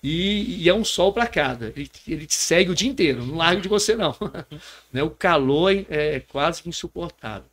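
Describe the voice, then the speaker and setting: This pastor's voice is on the high side, a bit bright, brisk, and lively in intonation. Sounding Brazilian Portuguese, he tells his personal testimony on a podcast with earnest feeling, regularly tacking on a question at the end.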